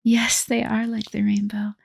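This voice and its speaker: A bright, coaxing little fairy speaks in a hushed whispered role-play, voiced by a woman. The whisper is breathy and a little gravelly, set slightly high. The sound is dry and close. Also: monotone, a little slow, no echo, exaggerated voice. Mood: tender. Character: cheerful winged fairy girl Hope, coaxing.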